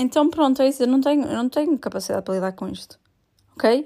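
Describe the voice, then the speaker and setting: Speaking in a European Portuguese accent, a woman uses ordinary pitch variation. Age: 20s. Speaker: podcast host. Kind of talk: casual chat. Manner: animated.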